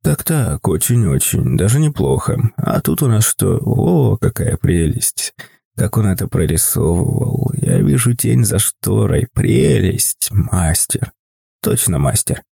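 A man's voice: on the low side, very animated, unhurried, vocal fry, dark tone, slightly rough, dry recording, studio quality, pitched below the performer's own voice, heavily acted. A man voicing an eccentric, jumpy bearded man who gushes over art and then turns wary and blunt, in a storybook reading. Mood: admiring.

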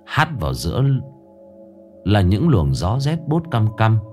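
A man's voice: fairly low pitch, huge pitch swings, unhurried. A man narrating a ghost story in a solemn, mournful storytelling voice. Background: faint music.

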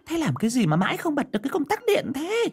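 A man voicing a sharp, nagging old village wife in a told ghost story. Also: very high voice, wildly swooping pitch, fast talker, voice pushed up, exaggerated voice. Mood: scolding.

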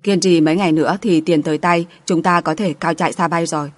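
A female narrator plays a hot-tempered husband in a storybook drama. He is brusque and defensive, scolding with indignation in a low register for a woman. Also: fairly even intonation, quick pace, natural voice. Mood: angry.

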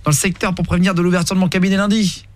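A young man prank-calls a stranger in a quick, high voice. He rambles, hesitates and restarts constantly while keeping up a fake doctor act. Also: flat delivery, no room sound. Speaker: prank caller. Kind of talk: prank phone call.

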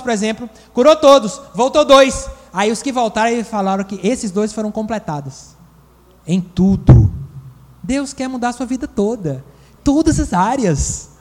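A man preaching a sermon as pastor and psychologist, lively and acting out the voices he quotes. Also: very high voice, long reverb tail. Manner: animated, acts out quoted voices.

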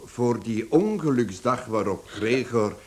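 A man's voice: mid-range voice, animated, takes it slowly, a little mellow, reverberant, a little hiss or hum. An actor playing a stern, domineering father in a radio play, speaking in a commanding, pompous, emphatic way. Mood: stern, solemn. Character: stern, domineering patriarch, gruff family father.

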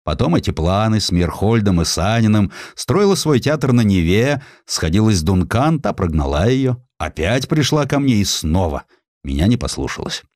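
A man with a deep voice narrates a literary piece of history. His delivery swings widely in pitch and is theatrical, shaped by dramatic pauses. The sound is dry and close, as from a studio microphone. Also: very animated, a little mellow, no room sound. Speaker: audiobook narrator.

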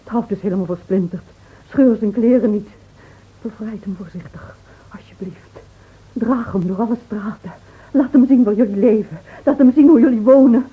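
An actress playing a grieving, devoted middle-aged village wife in a Dutch radio drama, speaking in a solemn, measured, pleading way. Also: female voice, on the high side, slightly rough. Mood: urgent pleading. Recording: tinny, narrow-band old radio recording.

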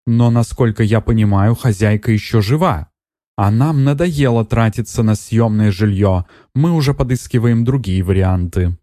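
A man's voice: on the low side, normal speed, dark tone, no echo, pitched above the performer's own voice, lightly acted. An impatient middle-aged woman who has waited too long and lets it show, played by a male narrator. Her voice sits raised and tight. Dry, close recording. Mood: irritated. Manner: irritated, demanding.

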